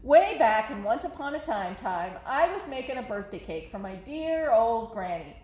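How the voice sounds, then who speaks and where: Lady playing a storybook wolf pleading innocent, real chatty, high voice, bit echoey room. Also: big pitch swings, moderate pace, a little mellow. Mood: aggrieved, confiding. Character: self-justifying folksy wolf telling his side.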